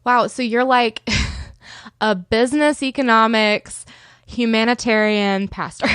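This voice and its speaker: A woman's voice: on the high side, fairly even intonation, slow, a bit bright, smooth, dry recording, clean studio sound. Upbeat chatty woman podcast host. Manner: upbeat, chatty, laughs easily. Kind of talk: casual interview chat.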